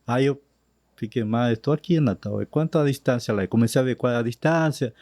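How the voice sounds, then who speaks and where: Argentine man, mellow voice, Spanish slips in. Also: medium pitch, dry recording. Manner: slow, animated retelling with Spanish words slipping in. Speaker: missionary guest. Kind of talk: storytelling in a podcast interview.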